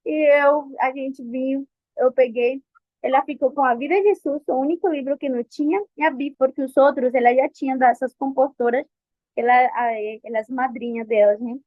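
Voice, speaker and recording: A young woman giving a candid, lively testimony in an interview, often restarting her sentences. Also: high voice, normal speed, dry recording. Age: young adult. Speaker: interviewee, book colporteur. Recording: dull lo-fi recording.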